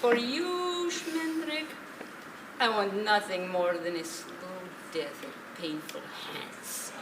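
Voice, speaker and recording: A woman's voice: mid-range voice, takes it slowly. An actress playing a bitter elderly Polish Jewish woman in a stage play, scolding with dry sarcasm and Yiddish-flavoured phrasing. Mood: sardonic. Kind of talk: stage play acting, dramatic dialogue. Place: stage in a theatre, distant microphone. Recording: echoey, noisy theatre recording from far off.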